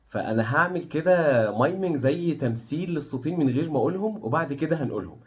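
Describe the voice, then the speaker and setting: A man with an Egyptian Arabic accent teaching pronunciation, encouraging his students and slowly demonstrating vowel sounds over and over. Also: a little high. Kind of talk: online pronunciation lesson.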